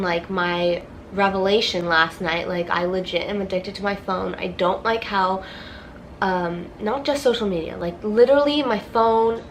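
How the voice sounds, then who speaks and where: A woman's voice: medium pitch, a little hiss or hum, poor audio. A young woman with a stuffy nose from a cold, talking casually and heartfelt in a confessional vlog and saying "like" constantly. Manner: rambling, heavy use of "like", heartfelt. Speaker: vlogger.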